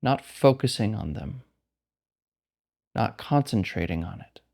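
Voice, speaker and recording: Male meditation teacher, lower-pitched voice, calm unhurried delivery with generous silences. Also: creaky. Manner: calm, unhurried, with long pauses. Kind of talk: guided meditation narration.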